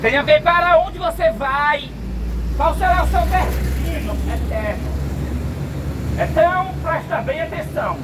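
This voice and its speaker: A man with a Brazilian accent preaching an emphatic open-air sermon that rises into shouts. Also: very high voice, a little slow. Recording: distant mic, loud street traffic.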